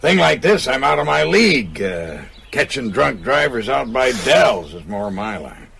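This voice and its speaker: Radio drama constable,: American, small-town, shrewd and understated, gravelly with a lively lilt. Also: male voice, medium pitch, crowd noise, heavily acted. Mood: quietly probing. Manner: folksy, slow-probing, dryly understated.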